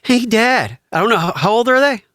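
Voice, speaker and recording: A man's voice: extremely high pitch, big pitch swings, a little fast, fairly bright tone. A man hosting a podcast, speaking in a casual, conversational way to guests and listeners. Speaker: podcast host. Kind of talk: podcast introduction and casual chat.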